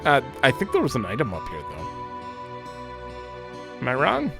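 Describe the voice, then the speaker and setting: A let's play host in his thirties rambles through casual, offhand commentary while playing a video game, reading dialogue aloud over the game's music. His medium-pitched voice swoops wildly and is creaky, at a moderate pace.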